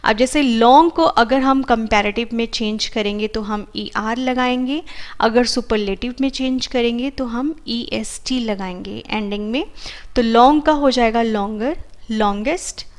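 A woman teaches grammar in an Indian English accent, going over each rule patiently and repeating her examples. Her voice sits high. She speaks at an unhurried, deliberate pace. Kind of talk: explaining a grammar lesson in Hindi with English terms.

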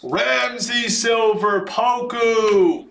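A man hosting a live sports card break, announcing names in an excitable, drawn-out way, his voice starting to wear. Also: extremely high pitch, creaky. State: voice starting to give out. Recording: roomy echo, background noise.

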